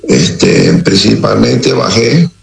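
This is a middle-aged Venezuelan man with a deep, gravelly voice, full of vocal fry. He speaks slowly and gravely, pausing often and choosing his words as a guest on a radio interview. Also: poor audio. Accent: Venezuelan Spanish. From Caracas, Venezuela. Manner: slow, halting, grave. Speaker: interview guest, security operative.

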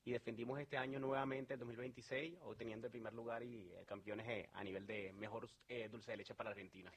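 A man's voice: medium pitch, steady tone, fast, breathy edge. A man from Venezuela with a Venezuelan accent, talking earnestly as a sales manager in an interview, with many fillers and restarts.

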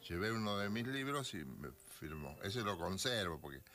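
A man's voice: low-pitched, normal speed, slight background noise. An older man with a Rioplatense Spanish accent, chatting playfully on a radio show. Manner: playful, teasing, animated. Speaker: radio host. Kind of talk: casual radio chat.

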